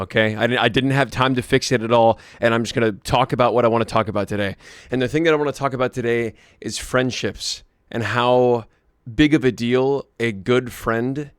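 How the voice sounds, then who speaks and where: A hoarse young man vlogging, telling a rambling story to camera with many restarts and asides. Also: mid-range voice, no echo, studio quality.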